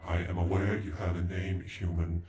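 A man's voice: low voice, monotone, normal speed, darkish tone, natural voice. A man voicing a proud, cold male android in an ASMR roleplay, with stilted, formal speech that can stutter like a glitch. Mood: stern, demanding. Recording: echoey, with background music.

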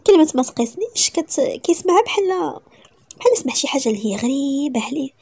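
A woman with a Moroccan accent telling a romance story in a whispered role-play, intimate and rapid. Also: sits high, animated, vocal fry, mellow, dry recording.

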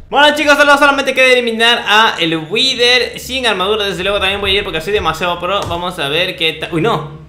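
In casual Minecraft commentary, a young man speaking with a Peruvian Spanish accent puts on a cocky, mock-boastful act. His fairly high voice is bright and forceful, and the room sounds spacious with a trace of background noise.

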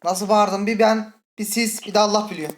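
A woman playing a horror game and commenting with a Turkish accent, chatty and full of swearing, breaking into startled high shrieks. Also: steady tone, moderate pace, slight background noise. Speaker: gaming channel host. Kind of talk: let's play commentary. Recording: faint game music behind.

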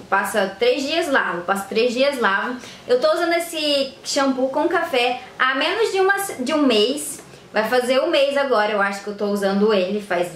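A woman's voice: a little high, reverberant, slight background noise. A young woman chatting to her viewers in a casual beauty tutorial vlog, filmed indoors on a camera mic. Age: young adult. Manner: chatty, addresses viewers directly. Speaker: beauty vlogger. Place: room indoors, later a tiled kitchen.

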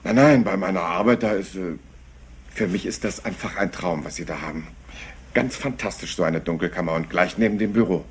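An actor playing an affable, rumpled police inspector in a crime drama, rambling and hesitant while feigning harmless curiosity. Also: male voice, low-pitched, a little fast, husky. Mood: admiring, downplaying. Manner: hesitant, rambling, politely ingratiating. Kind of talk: German crime drama acting.

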